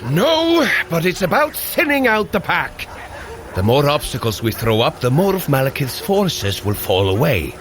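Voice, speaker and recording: A man's voice: a little high, sing-song, normal speed, a bit bright. A man playing a bold Norse thunder god and warrior leader in an audio adventure, hearty and commanding, with grand archaic speech. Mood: hearty, urgent. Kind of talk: dramatic audio adventure acting.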